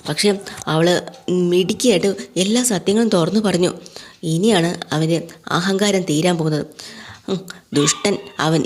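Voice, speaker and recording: A woman reads as a young husband from a family serial, boastful and mocking about his jailed rival. The voice sits low and the words come quickly, in an everyday tone. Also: a little mellow, a little hiss or hum, lightly acted. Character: young man, gloating and triumphant husband.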